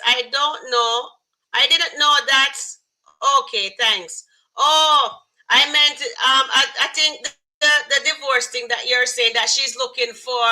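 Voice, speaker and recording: A woman's voice: high-pitched, pushed and bright, rough recording. A woman from Canada hosting a casual live stream, chatting and reading viewer comments aloud. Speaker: host. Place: home, California.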